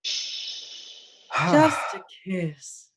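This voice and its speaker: A very slow, sultry vampiress. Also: female voice, lowish voice, big pitch swings, background noise, heavily acted. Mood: hungry, seductive. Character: sultry, hungry, otherworldly female vampire. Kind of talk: radio play acting. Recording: loud music over the voice.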